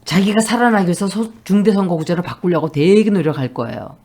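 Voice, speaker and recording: A woman's voice: fairly low pitch, quick pace, darkish tone, slightly rough. A woman giving a tarot reading in a monologue, making blunt, emphatic predictions. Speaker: tarot reader.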